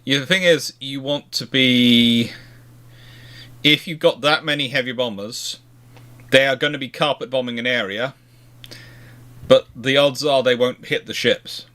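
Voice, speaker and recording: A man hosting a casual question and answer chat on naval history, talking haltingly and often circling back to rephrase. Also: medium pitch, steady tone, bright, forceful tone. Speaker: live Q&A host answering viewer questions.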